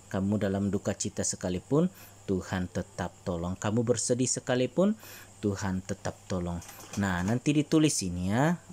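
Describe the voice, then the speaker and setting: A male teacher, explaining a religion lesson to children and often clearing his throat. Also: fairly low pitch, darkish tone. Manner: frequent throat clearing, coaxing repetitions.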